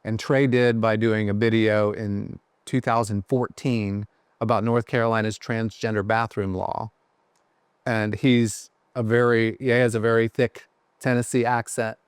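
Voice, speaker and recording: A man's voice: mid-range voice, clean tone, dry recording. A man guesting on a podcast, telling rambling, self-deprecating stories about his career with lots of fillers. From Ohio. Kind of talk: casual podcast chat.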